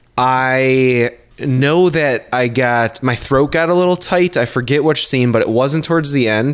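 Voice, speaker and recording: With a normal speaking voice, a man of medium pitch speaks at a fairly slow pace, with very even loudness, hardly any pauses and ordinary pitch variation. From Mexican-American background. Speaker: podcast co-host. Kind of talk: casual chat.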